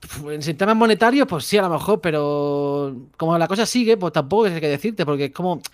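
A man's voice: a little high, expressive, fairly quick, smooth, no room sound, clean studio sound. A young man chatting casually as a podcast guest, hesitant and repeating himself, often tagging "sabes". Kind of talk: casual chat.

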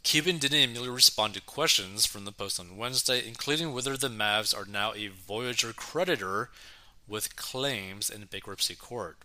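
A young man with a very bright, sharp voice reads a news story aloud, then breaks off into excited reactions. His commentary is casual and full of "like" and "right?" asides. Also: fairly low pitch, normal speed.

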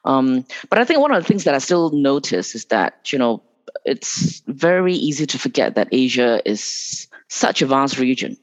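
A man's voice: medium pitch, very animated, moderate pace. Hesitant man from Malaysia, dull lo-fi audio. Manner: hesitant, many restarts and fillers, laughs often. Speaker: guest, investigations lawyer. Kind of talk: casual interview talk.

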